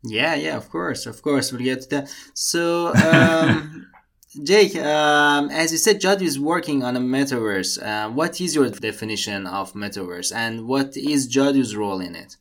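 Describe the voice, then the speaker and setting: A man's voice: mid-range voice, unhurried, a bit bright. Interviewer, a man whose first language is Farsi. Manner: brief, affirming replies and plain questions.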